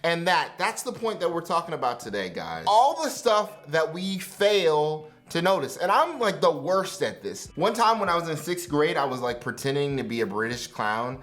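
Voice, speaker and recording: Animated joking youth pastor, man. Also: on the high side, normal speed, hardly any pauses, faint music behind. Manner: conversational, joking, slangy. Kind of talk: casual sermon to youth.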